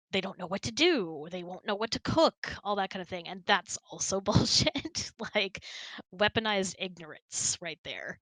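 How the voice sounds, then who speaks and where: A woman's voice: medium pitch, fairly bright tone, no room sound, rough recording. A woman host chatting casually and candidly in an informal, emphatic way. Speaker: host of a relationship Q&A hangout. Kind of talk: casual chat.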